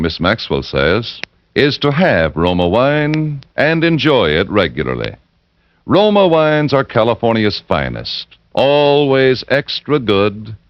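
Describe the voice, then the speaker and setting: A man's voice: medium pitch, dry recording. A man reading a vintage radio commercial in a bouncy, emphatic selling voice. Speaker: commercial announcer. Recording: dull, dry 1940s radio recording.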